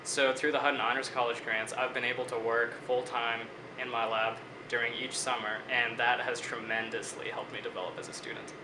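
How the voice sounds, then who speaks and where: A Bangladeshi student in his twenties answers interview questions in a measured, reflective manner. His voice is medium-pitched and his delivery flat, and the recording is reverberant with background noise.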